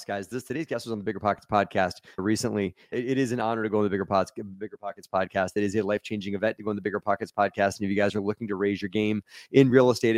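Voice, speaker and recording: A man hosting a podcast, talking to viewers and his guest in an energetic, casual way with quick restarts. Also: lowish voice, dry recording, clean studio sound. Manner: energetic, talks fast with restarts and asides to viewers. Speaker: podcast host. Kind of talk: casual podcast monologue and interview.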